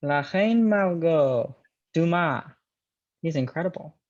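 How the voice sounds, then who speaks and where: An actor playing a shy, smitten, curious customer in a script table read, speaking hesitantly. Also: male voice, a little high, lively intonation, takes it slowly, muffled recording. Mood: bashful, smitten.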